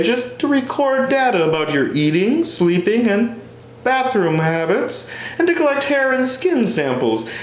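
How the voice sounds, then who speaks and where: Pedantic mad-scientist teacher, theatrical, very animated, echoey stage room. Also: male voice, very high voice, voice pushed up. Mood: earnest lecturing. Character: eccentric pedantic male chemistry teacher, nerdy mad-scientist type. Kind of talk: one-man stage comedy, playing both parts. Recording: roomy, echoing stage sound.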